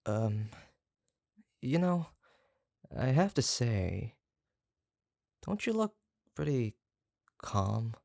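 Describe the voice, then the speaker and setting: An obsessive yandere kidnapper from a roleplay audio drama, acted by a voice performer, speaking slowly in a creaky, fry-laden voice. The delivery is doting and possessive, yet awkward and hesitant, rambling along in a close, dry recording. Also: mid-range voice, big pitch swings, no room sound, heavily acted. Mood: puzzled, jealous. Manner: hesitant, rambling, soft-spoken menace with nervous chuckles.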